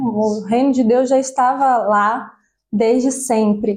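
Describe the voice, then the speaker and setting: Dark, mellow tone in a high-pitched woman's voice. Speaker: Sunday school lesson commentator. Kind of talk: Bible study discussion.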